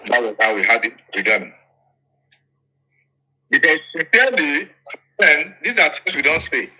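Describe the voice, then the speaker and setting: A Nigerian man recounts events as an interviewee in a very bright, pressing voice that sits a little high. He speaks emphatically, repeats his phrases for weight and keeps checking that the listener is with him. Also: big pitch swings, unhurried, low-quality recording. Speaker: interviewee, politician. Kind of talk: interview storytelling.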